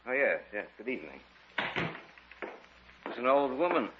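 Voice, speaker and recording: A man playing a lively, uneasy sidekick. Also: medium pitch, moderate pace, very noisy, close to an everyday voice. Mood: casual. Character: Chuck, the narrator's skeptical friend. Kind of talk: 1940s radio acting. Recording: dull old radio broadcast.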